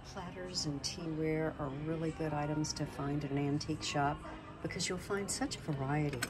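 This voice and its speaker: A middle-aged woman hosting a vlog, explaining in a gentle, measured way, sounding nasal from a cold. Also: low-pitched, steady tone. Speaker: vlog host. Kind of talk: casual instructional vlog. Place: antique mall, indoors.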